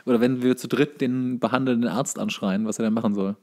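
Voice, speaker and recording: A man's voice: medium pitch, fairly even intonation, fast talker, warm tone. A young man co-hosting a podcast in casual conversation. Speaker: podcast co-host. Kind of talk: casual chat.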